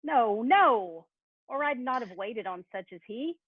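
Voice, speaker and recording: A woman's voice: fairly high pitch, lively intonation, a little slow, slightly rough, dry recording. A woman playing a callous, brazen working-class scavenger in an amateur dramatised reading. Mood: scornful, brazen. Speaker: library staff reader in a play. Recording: thin tinny phone-like sound.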